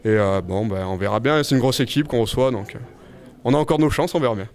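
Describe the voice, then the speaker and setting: A man talks quickly as he gives his club's reaction in an interview. His speech is casual and hedging, with plenty of fillers. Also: medium pitch, darkish tone. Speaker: club representative.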